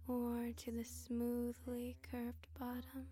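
A woman narrating a hypnosis session in a slow, hushed whisper, soothing and repetitive. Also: a little high, completely flat delivery, breathy edge.

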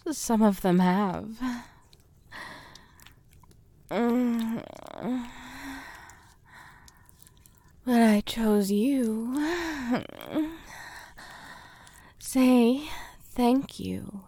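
A woman voicing a domineering, possessive fae queen, speaking in breathy whispers and giving commands. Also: medium pitch, warm tone. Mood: teasing, commanding. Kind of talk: audio roleplay.

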